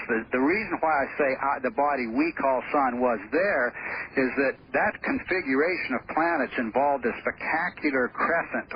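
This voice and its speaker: A man who is a radio guest, explaining his theory over the phone in steady, lecturing talk with "uh" pauses. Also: mid-range voice, lo-fi sound, a little hiss or hum.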